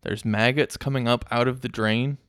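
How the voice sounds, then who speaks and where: Halting man in a dry, close recording. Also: medium pitch, steady tone, fairly bright tone, clear, resonant tone, no echo. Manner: halting, thoughtful, many fillers. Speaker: podcast co-host. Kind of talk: casual movie recap chat.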